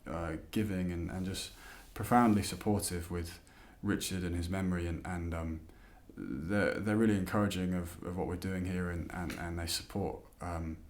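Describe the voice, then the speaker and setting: A young man speaks in a deep, low voice. He is heartfelt and searching, restarting his phrases as he tries to put his feelings into words. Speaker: lead actor.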